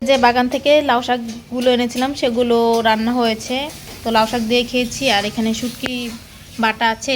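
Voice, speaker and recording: A young woman narrates a casual home vlog in a fairly high voice. She talks in a chatty way and at times drops to a hushed near-whisper. The home-video recording has clear noise behind her. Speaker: vlogger. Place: family home.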